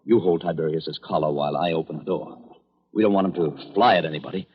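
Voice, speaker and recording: An actor playing a jittery, protective and easily exasperated young husband in an old-time radio drama. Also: male voice, extremely low pitch, fast talker, breathy edge. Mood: anxious, reassuring. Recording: dull, muffled old radio recording.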